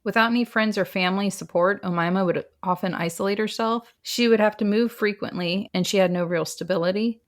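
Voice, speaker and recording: A woman hosts a casual true crime podcast and walks through the case step by step. Her telling is chatty and wry, often broken by a laugh. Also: on the low side. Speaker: podcast host.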